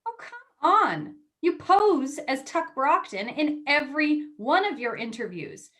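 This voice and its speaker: An eager young female magazine editor, as an actress plays her in a staged reading. Her voice sits on the high side. She teases and coaxes in natural, stammering bursts of dialogue. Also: sing-song, measured pace, fairly bright tone, full character voice. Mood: pressured, earnest.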